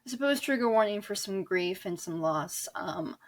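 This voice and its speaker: Young woman, halting and reflective. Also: mid-range voice, animated. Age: 20s. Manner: halting, searching for words. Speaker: guest author and audio drama creator. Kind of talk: reflective interview talk.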